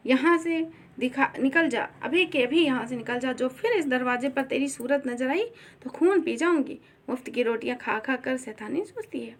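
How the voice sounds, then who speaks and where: A woman's voice: high voice, animated, moderate pace. A woman reading the part of a stern village mother who scolds sharply. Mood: furious. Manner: harsh, scolding.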